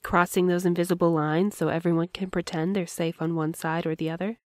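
A woman playing a thoughtful, dreamy young courier who speaks softly and muses philosophically. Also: lowish voice, little pitch movement, fairly quick, dry recording, studio quality, natural voice. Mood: musing. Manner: soft, musing, philosophical.

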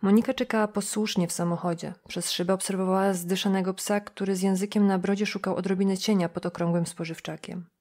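A woman narrating an audiobook in a calm, even reading voice. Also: medium pitch, fast talker, few pauses. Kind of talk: scripted narration.

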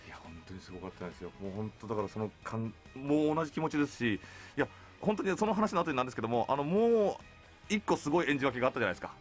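A man hosting a casual studio radio chat, eager and effusive, quick to interject. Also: mid-range voice, lively intonation, faint music behind. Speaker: radio show host. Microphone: studio boom microphones, masked speakers.

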